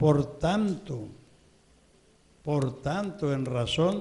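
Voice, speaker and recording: A man speaks at a very slow pace with ordinary pitch variation. Audible room echo surrounds his voice. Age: 80s+. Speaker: preacher. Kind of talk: Sunday school Bible teaching. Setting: church.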